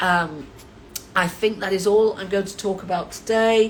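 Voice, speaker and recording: The speaker is a woman with a medium pitch. She keeps a moderate pace and fairly even intonation. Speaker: life coach and livestream host. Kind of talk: casual live stream chat. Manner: hesitant, many fillers.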